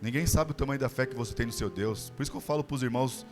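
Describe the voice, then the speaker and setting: A man's voice: mid-range voice, rapid-fire. A man with a Brazilian Portuguese accent teaching a church Bible class, addressing the congregation as brothers. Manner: warm encouraging address to the congregation. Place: church hall. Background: instrumental music.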